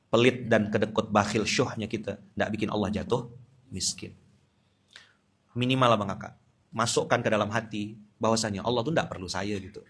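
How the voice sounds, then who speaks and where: Husky-voiced male preacher. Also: on the low side, normal speed, pauses often. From Indonesia. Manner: humorous, lively preaching with Quran recitation. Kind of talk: dawn sermon study.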